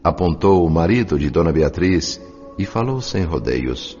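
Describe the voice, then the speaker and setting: An actor playing a reflective, compassionate narrator in a radio drama audiobook, with a Brazilian accent. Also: male voice, deep voice, big pitch swings, a little slow, darkish tone, full character voice. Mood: solemn, reflective. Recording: slightly dull sound. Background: faint music.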